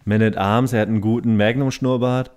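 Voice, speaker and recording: A man rambles through a loose comedic podcast chat, joking as he goes. His voice sits in a middle pitch, and he breaks into loud outbursts now and then. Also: fairly even intonation, brisk. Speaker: podcast co-host.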